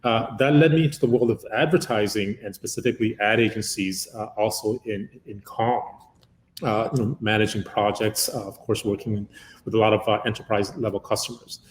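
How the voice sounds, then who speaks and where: A man's voice: lowish voice, steady tone, a little fast, echoey room, poor audio. A man in his fifties from Uganda, a company founder giving a long, rambling interview answer full of "uh" fillers. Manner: long-winded, many "uh" fillers.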